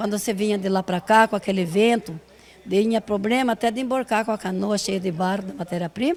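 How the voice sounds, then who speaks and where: The delivery moves at a fairly quick pace with ordinary pitch variation. It is an unremarkable speaking voice. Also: woman, medium pitch for a woman. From Brazil, Cuiabá region (Mato Grosso). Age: 60s. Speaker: ceramist and community leader. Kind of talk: interview testimony.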